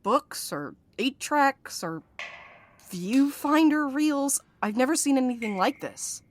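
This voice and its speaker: A woman's voice: high-pitched, lively intonation, slow pace, slight background noise. An actress playing a curious, puzzled woman exploring ruins, in naturalistic audio drama dialogue.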